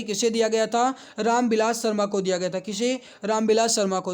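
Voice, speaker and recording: A man with a strikingly high-pitched voice teaches an exam preparation class. He goes through questions step by step, restating each answer for emphasis. He speaks straight to his students in a familiar, brotherly way. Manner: addresses viewers directly as brothers and guys. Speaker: online exam coaching teacher. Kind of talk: exam question walkthrough lesson.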